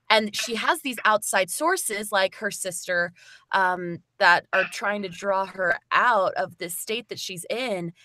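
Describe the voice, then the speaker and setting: A woman's voice: medium pitch, pushed and bright, slight background noise. A woman, the narrator of the story, talking thoughtfully about it in a casual podcast discussion.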